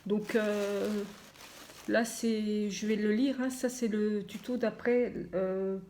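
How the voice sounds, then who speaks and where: A middle-aged woman chatting casually as she unboxes and admires craft gifts, talking softly and often dropping to a hush. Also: mid-range voice, fairly even intonation, slow, a little hiss or hum. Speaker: scrapbooking vlogger.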